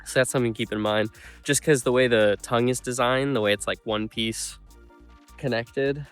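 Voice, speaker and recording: A man's voice: mid-range voice, steady tone, moderate pace, clear, resonant tone, faint music behind. A man with a stuffed-up, congested nose giving a casual vlog recap of a run, rambling with lots of ums and likes. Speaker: running vlogger.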